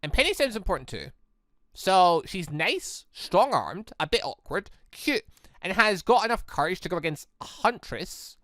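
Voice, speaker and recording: A man's voice: high-pitched, big pitch swings, normal speed, pushed and bright, no room sound, exaggerated voice. A man voicing a cheeky, harmless young man, the flippant and wry hero of a visual novel. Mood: upbeat musing.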